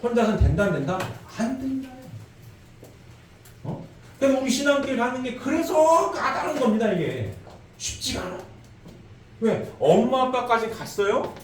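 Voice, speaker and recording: A man's voice: very high voice, big pitch swings, normal speed, long pauses. A man preaching a sermon in a church, asking his listeners rhetorical questions. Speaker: pastor. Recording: echoey room, faint background noise.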